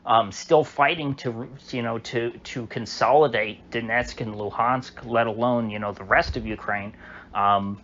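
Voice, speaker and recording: A man's voice: medium pitch, steady tone, unhurried, a bit bright. Rambling man with lots of ums. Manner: rambling, hesitant, many fillers and restarts. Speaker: political commentator. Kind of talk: casual solo commentary. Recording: dull lo-fi audio with faint hiss.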